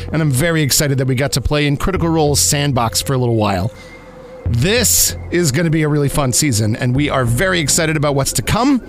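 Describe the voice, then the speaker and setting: A man hosting a podcast, giving an upbeat, appreciative announcement to listeners. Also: on the high side. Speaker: podcast producer and host. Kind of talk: scripted-sounding show announcement. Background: music.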